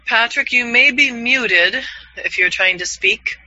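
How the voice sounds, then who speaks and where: A man in his fifties, a voiceover coach leading an online class, upbeat and quick to laugh. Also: very high-pitched, animated, bright, forceful tone. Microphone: video call. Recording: dull, lo-fi video call audio.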